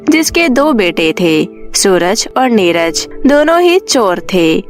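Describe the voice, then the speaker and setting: A woman storyteller giving scripted narration for a cartoon moral story. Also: medium pitch.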